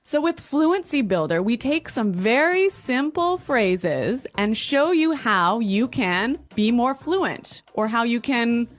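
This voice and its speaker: A woman's voice: fairly high pitch, very animated, takes it slowly, few pauses. A woman with a standard American accent co-hosting a language lesson podcast in a conversational style.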